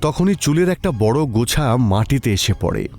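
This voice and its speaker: Expressive man narrating a horror story. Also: medium pitch, a little fast, faint music behind.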